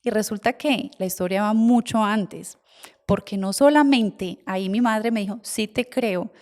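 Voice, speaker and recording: A middle-aged woman, a medium recounting her experiences in an interview, emotional and given to repetition. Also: medium pitch. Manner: emotional, repetitive storytelling with soft asides. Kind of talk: storytelling interview answer.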